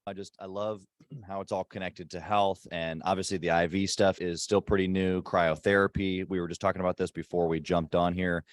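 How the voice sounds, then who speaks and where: Male podcast host, deep and low, punchy delivery kept hushed, very dry sound. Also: little pitch movement, fairly quick, no room sound. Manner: emphatic, hyped-up, kept quiet in a public spot. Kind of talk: casual interview chat. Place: airport.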